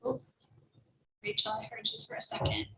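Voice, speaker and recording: A woman's voice: extremely high pitch, big pitch swings, moderate pace, vocal fry, sharp tone, far from the mic. A woman giving an occupational therapy presentation over a glitchy video call, speaking in a friendly, explanatory way with frequent "um" fillers. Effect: glitchy video call audio. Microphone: laptop mic on a video call. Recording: dull echoey video call audio, faint noise.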